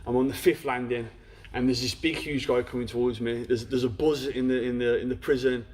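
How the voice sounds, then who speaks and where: A young man with a Black Country accent tells his own story in an interview, frank and plain-spoken. He talks fast, rattling through the telling. His pitch sits at an ordinary middle height for a man. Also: fairly even intonation, darkish tone. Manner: frank, storytelling, peppered with "you know". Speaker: interview guest. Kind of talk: candid personal story in a podcast interview.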